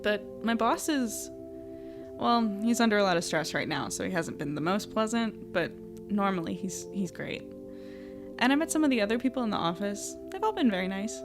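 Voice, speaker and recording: A woman's voice: medium pitch, expressive, normal speed, music in the background, close to an everyday voice. An actress playing a guarded young woman in a naturalistic audio drama, hesitant and understated. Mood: hesitant, casual. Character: guarded young woman, new in town, independent.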